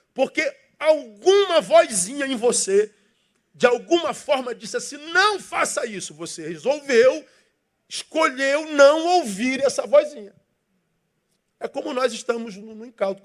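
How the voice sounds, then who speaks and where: Brief: male pastor, high-pitched, emphatic sermon delivery full of rhetorical questions. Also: normal speed. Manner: emphatic and rhetorical, asking questions and leading the congregation in reading. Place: church.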